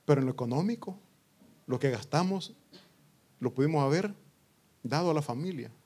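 A pastor preaching a sermon to his congregation, breaking into loud outbursts and acting out what people say. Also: a little high, expressive, normal speed, slightly rough. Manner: preaching with sudden loud outbursts and acted quotes.

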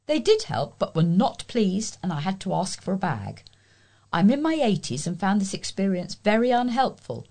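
This British woman has a husky, breathy voice of medium pitch that moves in lively swings. She reads scripted local news as a volunteer newsreader. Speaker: volunteer newsreader for a talking newspaper.

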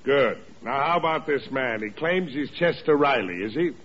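An actor playing a stern, skeptical police sergeant with a brusque official manner in a 1940s radio comedy. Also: male voice, medium pitch, expressive, moderate pace, natural voice. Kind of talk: 1940s radio sitcom acting. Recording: muffled 1940s radio recording.

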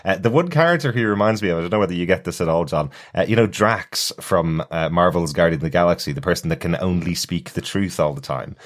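A man with a very low, deep voice co-hosts a relaxed TV-review podcast. He talks in a chatty, analytical way and often breaks into laughs mid-sentence. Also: fast talker, few pauses. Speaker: podcast co-host. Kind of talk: casual chat reviewing a TV episode.

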